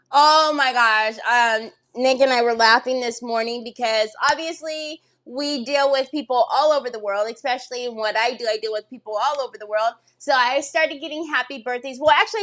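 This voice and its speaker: A woman's voice: high voice, fairly bright tone. A woman in her fifties hosting a craft livestream, chatting casually with viewers in a bubbly way and laughing often. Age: 50s.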